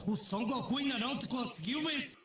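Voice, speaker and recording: A man's voice: extremely high pitch, fast talker. An actor with a European Portuguese accent playing a menacing, theatrical male warrior in an anime dub. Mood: taunting, threatening. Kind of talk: cartoon dub acting.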